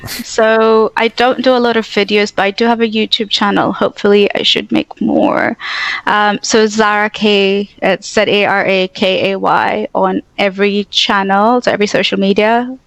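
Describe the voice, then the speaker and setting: A woman's voice: medium pitch, normal speed, gravelly, dry recording, low-quality recording. Chatty young woman, mixed American-Australian accent. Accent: mostly American with Australian and English touches. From Tanzania. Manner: talkative, animated storytelling with many "like" fillers. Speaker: guest. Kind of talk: casual conversational interview.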